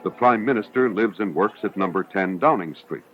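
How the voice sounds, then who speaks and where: A man reading scripted narration for an educational film in a measured, formal, explanatory way. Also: on the low side. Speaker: documentary narrator. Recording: dull, hissy 1970s educational film soundtrack.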